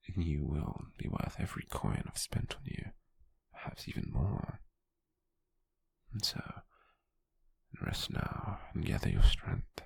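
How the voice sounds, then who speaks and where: A British man playing a possessive, calculating nobleman in an intimate ASMR roleplay, speaking in a soft, menacing, condescending murmur close to the mic. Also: dry recording, exaggerated voice. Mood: quietly possessive. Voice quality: breathy, husky, gravelly low murmur. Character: possessive, calculating noble man who buys captives at auction. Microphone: close mic, dry.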